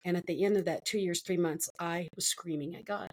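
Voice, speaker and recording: A woman's voice: on the low side, steady tone, a little fast, breathy edge. A middle-aged woman telling her personal story as a guest in an interview, emotional and vivid, acting out what others said. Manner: emotional, storytelling with quoted voices.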